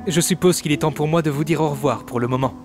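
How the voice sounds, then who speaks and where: A man's voice: fairly high pitch, fast talker, music in the background, close to an everyday voice. A man playing an affable young servant of a noble clan in a game dub, speaking politely and formally. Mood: courteous, friendly. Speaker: amateur voice actor dubbing a game character. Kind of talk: scripted game dialogue dub.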